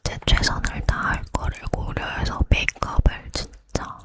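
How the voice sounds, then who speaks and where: A hushed whispered role-play of a woman acting a boy-crazy young woman getting ready to go out. She leans in to whisper very slowly and breathily, chatty and determined in an intimate ASMR delivery. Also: lightly acted. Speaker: ASMR creator.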